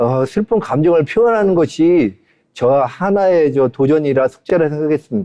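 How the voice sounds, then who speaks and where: With lively intonation, a man speaks at a moderate pace and fairly high pitch. His loudness holds very even. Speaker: singer and actor. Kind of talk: interview. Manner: hesitant, many fillers.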